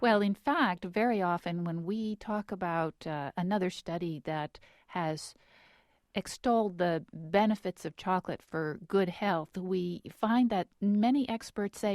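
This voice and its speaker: A woman's voice: medium pitch, a little slow, a little mellow, dry recording, clean studio sound. A woman co-hosting a radio interview, prompting the guest with friendly tag questions. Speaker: radio show co-host.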